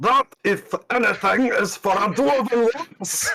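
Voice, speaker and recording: The voice is a put-on character voice, fairly high and strained. It moves at a fairly slow pace. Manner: through gritted teeth, strained.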